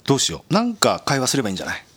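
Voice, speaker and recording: A man's voice: mid-range voice, huge pitch swings, rapid-fire, a bit bright, slightly rough. A man hosting a podcast in casual chat, joking and mocking himself. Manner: joking, self-mocking, laughs often. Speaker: podcast host.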